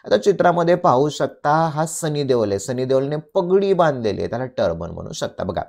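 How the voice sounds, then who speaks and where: A man with a Marathi accent teaches vocabulary in a mellow, warm tone. His pitch rises and falls widely as he reads each English definition slowly. He then explains it and keeps asking the listener questions. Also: very animated, vocal fry. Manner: asks the listener rhetorical questions. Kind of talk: bilingual vocabulary lesson.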